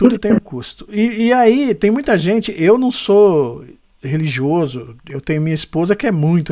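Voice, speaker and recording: Against a quiet background, a man with a dark, mellow tone talks with lively intonation. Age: 60s. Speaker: interviewer. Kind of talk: interview conversation.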